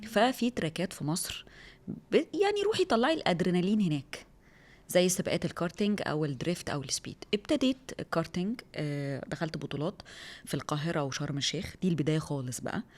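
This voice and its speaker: Quick, excitable Egyptian woman in her thirties. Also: on the low side. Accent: Egyptian Arabic. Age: 30s. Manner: lively, excitable storyteller. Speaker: rally driver guest. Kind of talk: casual interview talk.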